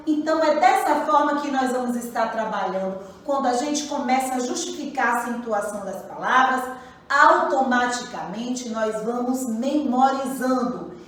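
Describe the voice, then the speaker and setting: A woman's voice: sits high, a bit bright, heavy reverb, far from the mic, low-quality recording. A woman teaching a grammar lesson to children, patient, often checking in with her pupils. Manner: slow, patient, repeats questions to pupils. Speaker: primary school teacher.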